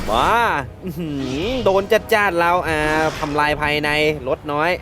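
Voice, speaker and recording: A man giving excitable, laughter-filled commentary while playing a mobile game, taunting his opponents as he goes. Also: fairly high pitch, slow, background noise. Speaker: gaming channel host.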